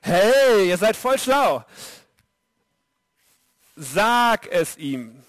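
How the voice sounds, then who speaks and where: A young man preaching a sermon, lively and speaking straight to his audience. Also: sits high, drawn-out words, no room sound. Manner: lively, direct address to the audience.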